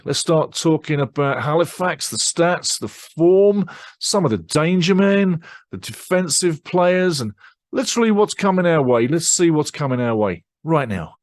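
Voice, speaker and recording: A man hosting a football fan show in casual, upbeat chat, with punchy exclamations and lots of repeating himself. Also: on the high side. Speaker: fan channel host. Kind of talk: casual pre-match football show talk.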